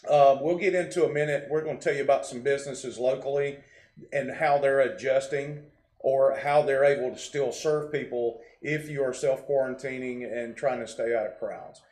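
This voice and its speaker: Man, host, casual and joking, mid pitch, hollow barrel-like echo, pub broadcast. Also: fairly even intonation, normal speed, a little mellow. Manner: easygoing, joking, plugs local businesses. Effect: boomy sound like inside a barrel. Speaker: show host. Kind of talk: casual live show chat. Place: local pub, live broadcast. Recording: echoey, barrel-like room sound.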